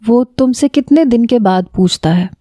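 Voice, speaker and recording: A woman voicing a smooth-talking young man who calmly asks probing, personal questions. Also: on the high side, no echo, close to an everyday voice.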